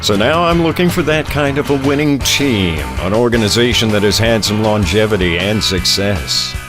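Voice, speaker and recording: A middle-aged American man speaks in a deep, low register. His delivery is that of a practiced radio announcer reading a scripted self-promotion. Music plays clearly behind his voice. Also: moderate pace. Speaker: voiceover artist and radio production director. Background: music bed under the voice.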